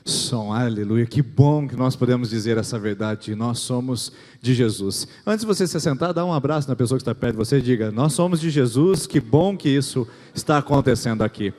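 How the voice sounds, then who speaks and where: A man's voice: mid-range voice, fairly quick, hardly any pauses, a little mellow. A man with a Brazilian Portuguese accent, a pastor welcoming the congregation and online viewers and giving announcements. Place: church sanctuary. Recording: long reverb of a church hall.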